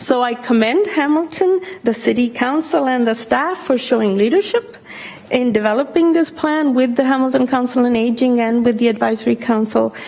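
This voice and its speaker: A woman talks at a moderate pace in a high voice with ordinary pitch variation and very even loudness. Noticeable background noise runs behind her. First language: not English. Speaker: professor. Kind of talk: public delegation to council committee. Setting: council committee meeting. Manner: hesitant, many fillers.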